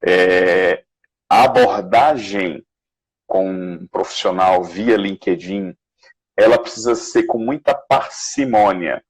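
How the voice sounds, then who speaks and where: A man with a Brazilian Portuguese accent, a guest sales manager on a live video call, giving animated career advice and acting out sample messages. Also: slow, breathy edge, poor audio. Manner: animated, acts out sample messages with rising pitch. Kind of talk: live online career chat.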